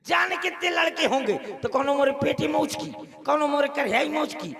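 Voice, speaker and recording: A man's voice: very high voice, normal speed, vocal fry, crowd noise. A man playing a boastful gluttonous bachelor king in a folk stage comedy, rambling and repeating himself. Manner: rambling, repeats himself, laughs through lines. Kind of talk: comic folk-theatre monologue.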